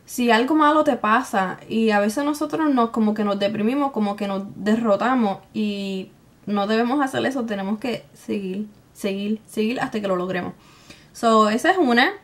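A young woman with a Puerto Rican Spanish accent chats casually to camera, informal and colloquial, dropping in English words. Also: a little high. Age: young adult. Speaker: beauty vlogger. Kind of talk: casual chat to camera, answering tag questions. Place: small room at home, indoors.

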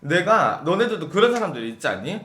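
A man's voice: high-pitched, very animated, fast talker, roomy sound, heavy background noise. A young man telling a comic story about his past job, acting out both sides of phone calls and swearing freely.

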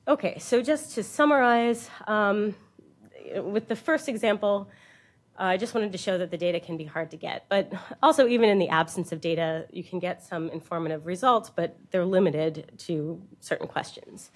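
A woman's voice: fairly low pitch, moderate pace. A woman researcher presenting a scientific lecture, explaining in plain terms with informal asides. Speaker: university researcher giving a keynote. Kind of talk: scientific conference lecture with slides.

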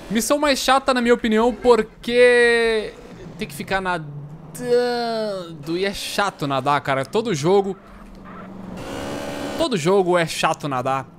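Streamer, male, 30s: headset mic, casual slangy play-by-play, slightly high voice, faint background hiss. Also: a little slow. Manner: relaxed and slangy, with bursts of excited chatter. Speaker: gaming streamer. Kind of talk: casual gameplay commentary.

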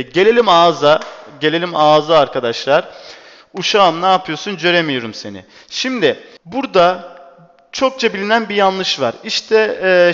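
In a dull, echoey classroom recording, a male teacher with a high, fairly bright voice delivers an exam-prep lecture. He keeps quizzing with rhetorical questions and answering them himself, over and over.

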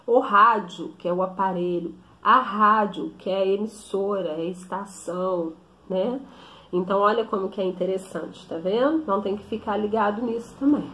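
A woman teacher explaining a grammar lesson slowly, often stopping to check with her students. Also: mid-range voice, fairly bright tone. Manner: slow, explanatory, with frequent check-in questions. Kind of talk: recorded classroom lesson. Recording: echoey room.

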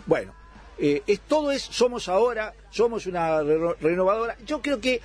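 A man's voice: sits high, big pitch swings, normal speed, a little mellow. A man in his sixties, born in Italy, arguing his side as a guest in a political radio debate. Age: 60s.

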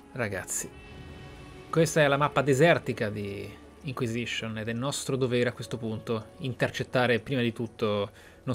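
A man giving dramatic game commentary as a streamer, theatrical and deliberate, with drawn-out phrases. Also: mid-range voice. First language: Italian. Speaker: gaming streamer. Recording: faint game ambience behind. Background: video game sounds.

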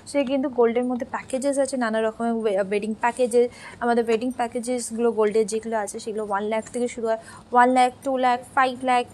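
A woman's voice: fairly high pitch, slight background noise. A young woman hosting a live jewellery sales stream, chatting casually, answering viewer comments and switching between languages. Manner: chatty, switching between Bengali, Hindi and English; reads viewer comments aloud and answers them.

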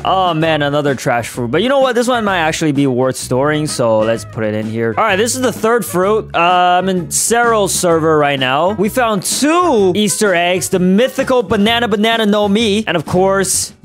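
Young male gaming host, high lively voice, hyped and jokey, faint music underneath. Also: normal speed, few pauses. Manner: hyped, jokey, swings between shouts and deadpan mutters. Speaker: gaming YouTuber. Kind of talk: energetic gameplay commentary.

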